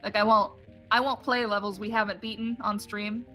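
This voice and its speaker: A woman's voice: medium pitch, level tone, normal speed, bright, forceful tone, faint music behind. A woman streaming a game, chatting casually as she explains how it plays. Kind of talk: casual playthrough chat.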